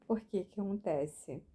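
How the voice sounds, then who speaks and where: Woman in her twenties or thirties, casual reading-vlog chat, husky and mellow. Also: medium pitch. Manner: chatty and anecdotal, with many fillers and restarts. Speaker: book reading vlogger. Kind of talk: casual spoken reflection.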